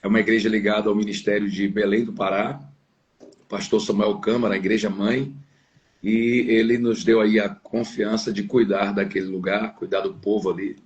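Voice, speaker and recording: A man's voice: lowish voice, level tone, normal speed, highs cut off. A man from Sergipe in northeastern Brazil, a pastor talking casually as an interview guest from home. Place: at home, downstairs, on an internet call.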